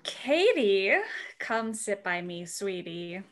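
A woman's voice: mid-range voice, sing-song, slow pace. A woman playing a cautious, motherly female gang member in an audio drama, hesitant and placating. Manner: hesitant, placating, calls others sweetie. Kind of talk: amateur audio drama reading.

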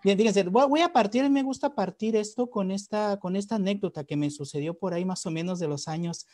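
Mexican man presenting on a video call, mellow. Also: high-pitched, brisk, dry recording, studio quality. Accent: Mexican Spanish. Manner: frequent hesitations and repeated words. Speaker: webinar presenter. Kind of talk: academic presentation. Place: home room, on a video call. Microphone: webcam or computer mic on a video call.

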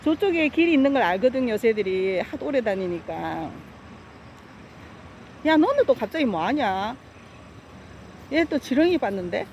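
A woman's voice: fairly high pitch, sing-song, normal speed, long pauses, a little mellow, muffled recording, a little hiss or hum. A woman walking her dogs outdoors, chatting casually on a phone live stream and fondly scolding her pets. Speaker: dog owner live-streaming a walk. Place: outdoors on a walking path by stepping stones.

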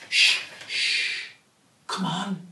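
A man voicing a gentle young storybook girl who speaks in a hushed, soothing, hesitant way. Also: drawn-out words, a little hiss or hum, exaggerated voice. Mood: tender coaxing. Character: gentle young girl coaxing a frightened pet. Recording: roomy, mic at some distance.

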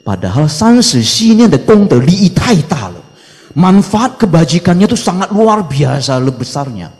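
A man's voice: fairly high pitch, big pitch swings, normal speed. A male Buddhist monk giving a dharma talk, preaching with emphatic exhortations and Mandarin chant phrases mixed in. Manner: emphatic rising exhortations, trailing off softly. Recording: long reverb of a hall.

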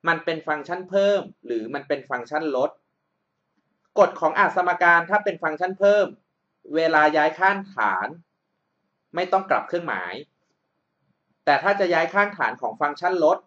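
A male math tutor talks through a problem on a screen recording, patient and methodical, often checking that the listener is following. His voice sits a little high for a man. The audio is dull and lo-fi, like a cheap desktop mic. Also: animated, moderate pace, pauses often, pushed and bright. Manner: patient, explains step by step and checks understanding.

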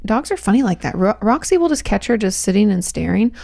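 A woman's voice: medium pitch, big pitch swings, quick pace, creaky, a little mellow, no echo. A woman in her thirties co-hosting a podcast in a small home studio, chatting casually and telling stories with restarts. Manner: chatty storytelling, trailing restarts. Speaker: podcast co-host. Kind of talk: casual chat. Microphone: studio mic on boom arm, headphones.

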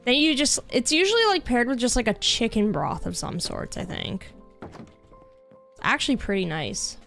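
A woman's voice: on the high side, normal speed, gravelly. Bubbly chatty young woman streamer. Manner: bubbly, chatty with viewers, excited outbursts. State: losing her voice. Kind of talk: casual gaming livestream chat. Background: soft background music.

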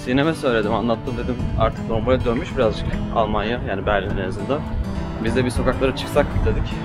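A man's voice: medium pitch, quick pace. A young man hosts a casual vlog, talking to a handheld camera outdoors. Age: young adult. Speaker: vlog host. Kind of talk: casual chat to camera while walking. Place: outdoors in city streets and squares. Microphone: camera at arm's length. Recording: loud music over speech.

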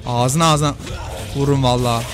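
Excitable man yelling over game music. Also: medium pitch, fairly quick. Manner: excitable, yells at the screen. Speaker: gaming youtuber. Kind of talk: casual let's-play commentary. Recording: game music loud behind voice.

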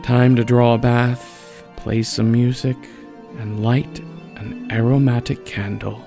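Mid-pitched male podcast announcer over guitar. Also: flat delivery, slow pace, vocal fry, mellow. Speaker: podcast announcer reading credits. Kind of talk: scripted credits and sponsor read. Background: guitar music.

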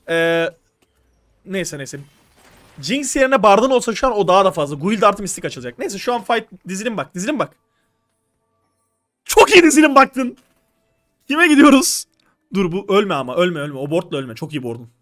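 A young man streaming live, coaching players through a strategy game with urgent, animated instructions. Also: high-pitched, no room sound.

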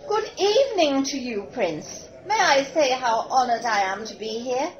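A woman's voice: sits high, expressive, unhurried, poor audio. A woman playing a polite but cheeky young pantomime heroine in a comic audio play. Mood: flattering.

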